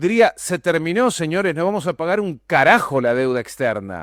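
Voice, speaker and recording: Recorded very cleanly against a silent background, in a dry, close sound with no echo, a man speaks fairly slowly at a high pitch with lively intonation. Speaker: radio host. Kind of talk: radio interview. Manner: halting.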